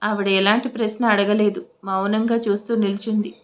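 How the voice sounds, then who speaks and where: A woman storyteller giving a steady, scripted narration of an audio story. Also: medium pitch, moderate pace.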